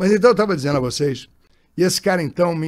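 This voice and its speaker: This man's voice is somewhat breathy, with lively intonation. He talks at a very fast pace. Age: 60s. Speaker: politician and businessman. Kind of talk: interview conversation. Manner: animated.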